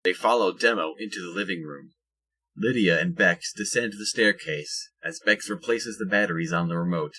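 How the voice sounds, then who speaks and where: A man with a husky voice reading scripted narration for an audio drama. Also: low-pitched, normal speed, pushed and bright.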